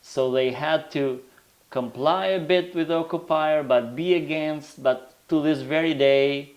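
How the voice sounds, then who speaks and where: A man's voice: a little high, fairly even intonation, measured pace, poor audio. A man with an Albanian accent, a native Albanian speaker, answering interview questions as an author in a reflective, explanatory way. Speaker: author, guest.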